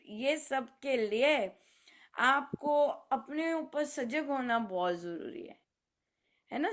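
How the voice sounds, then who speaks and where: A woman giving an unhurried spiritual talk to a family gathering, mixing Hindi with English phrases and acting out little scenes in different voices. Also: fairly high pitch. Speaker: spiritual speaker.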